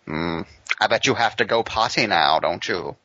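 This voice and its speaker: A low-pitched, theatrical villain, put on by a man, pompous and menacing, savoring each threat. The sound is dry and a little dull. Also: expressive, normal speed, pushed and bright, no echo. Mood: smug menace. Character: menacing, pompous villain taunting a trapped victim.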